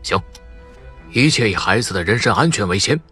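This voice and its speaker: A man playing a composed, decisive male police detective with a brisk, businesslike manner in an audiobook. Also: fairly low pitch, lively intonation, bright, forceful tone, breathy edge, faint music behind, exaggerated voice.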